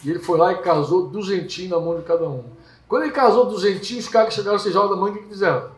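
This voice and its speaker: A man preaching at a small home gathering, telling stories lively and acting out characters. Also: high-pitched, racing. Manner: lively storytelling, acts out characters. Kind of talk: sermon. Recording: echoey room.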